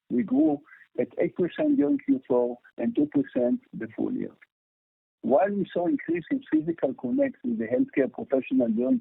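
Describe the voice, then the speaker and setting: A man's voice: extremely high pitch, gravelly, husky, no room sound. A man with an Indian accent reading a formal earnings presentation as a company executive over a phone line, stumbling over some words. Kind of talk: scripted earnings call presentation. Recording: thin, phone-like conference line.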